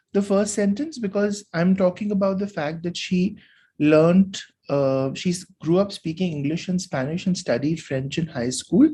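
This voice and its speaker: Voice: mid-range voice, mellow, breathy edge. A tutor reading a test passage aloud and explaining which answer is correct, checking in with "right?" as they go. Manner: talks through reasoning, asks "right?" for checks.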